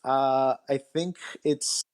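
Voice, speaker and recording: A man chatting casually as a guest author, halting and thinking aloud as he goes. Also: mid-range voice, steady tone, darkish tone. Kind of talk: casual chat.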